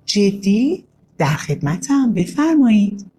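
A woman's voice: medium pitch, big pitch swings, warm tone, faint music behind, natural voice. A woman narrator voicing a hospitable, polite aunt in a children's story. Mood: welcoming. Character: warm, welcoming aunt.

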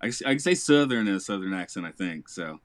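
A man with a fairly low voice hosts a relaxed podcast chat, and he laughs easily. His talk wanders and restarts as he thinks aloud. The sound is dry and close, with no room in it. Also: quick pace, no room sound. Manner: chatty, laughs often, rambling restarts. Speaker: podcast host, English teacher. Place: lives in Japan.

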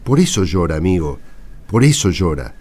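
A grim Bedouin of the caravan in a radio drama. The deep voice swings widely in pitch with dramatic intensity and a Rioplatense accent. There is music behind it. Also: male voice, big pitch swings, normal speed, dark tone, a little hiss or hum. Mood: wistful. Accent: Rioplatense Spanish. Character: grim, urgent male Bedouin caravan traveller. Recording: music under the voice.

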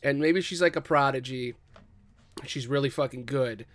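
Man co-host, mid pitch, casual swearing brainstormer, dry close recording. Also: normal speed, dry recording. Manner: loose and profane, many fillers.

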